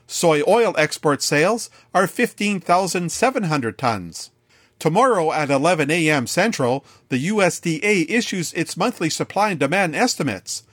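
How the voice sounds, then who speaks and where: A Canadian man reading a scripted radio farm market report in a measured newsreader delivery. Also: a little high, expressive, fairly bright tone, breathy edge, no echo, studio quality.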